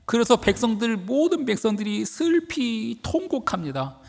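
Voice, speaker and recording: Husky, animated man preaching. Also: very high-pitched, moderate pace, long reverb tail. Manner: dramatic, emphatic, lively storytelling. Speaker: pastor. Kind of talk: dawn-service sermon. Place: church sanctuary.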